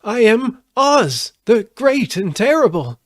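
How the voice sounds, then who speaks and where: Man putting on the Wizard of Oz, trembling and high. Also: sing-song, takes it slowly, no echo, studio quality, exaggerated voice. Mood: frightened pleading. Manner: meek, pleading. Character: cowardly, trembling little old wizard humbug, meek and pleading.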